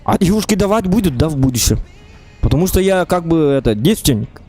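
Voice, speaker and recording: A man's voice: fairly high pitch, big pitch swings, fast talker, dark tone, slight background noise. A man with as his language, chatting casually and playfully as he streams an online role-play game, asking questions and repeating himself. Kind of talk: casual improvised in-game chat.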